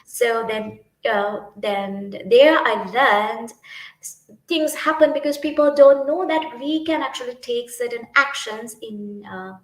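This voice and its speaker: A woman's voice: on the high side, takes it slowly, roomy sound, poor audio. A young woman from Sri Lanka whose first language is Sinhala, speaking as a youth team leader in a livestream talk, hesitant, with many fillers and restarts.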